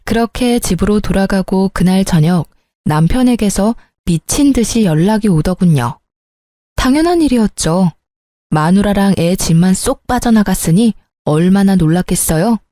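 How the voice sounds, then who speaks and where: Calm, mellow woman storyteller. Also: mid-range voice, moderate pace, dry recording, clean studio sound. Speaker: story narrator. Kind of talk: scripted first-person story narration.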